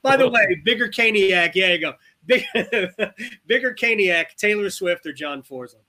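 A man's voice: sits high, expressive, measured pace, bright, forceful tone. A man hosting a sports podcast in a casual, chatty style.

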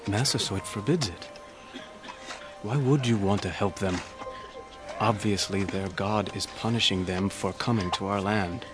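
An actor playing a courteous, self-assured Native American envoy in a radio drama, with a formal and pointed manner. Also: male voice, lowish voice, measured pace, close to an everyday voice. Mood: grim, disdainful. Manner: formal, deferential yet pointed. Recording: radio play with music underneath.

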